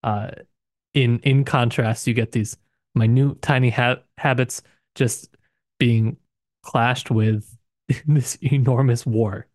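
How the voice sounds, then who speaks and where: A man's voice: mid-range voice, steady tone, slow, a little mellow, no room sound, clean studio sound. A man co-hosting a podcast, thinking aloud informally in a casual discussion of literature. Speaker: podcast co-host.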